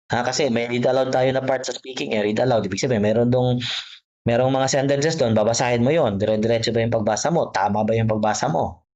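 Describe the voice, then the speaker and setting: A man's voice: mid-range voice, fairly even intonation, quick pace, darkish tone, lo-fi sound. A man giving a private online exam-prep lesson, explaining patiently, repeating each point and checking in with his student. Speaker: test prep tutor. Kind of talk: private online tutoring session.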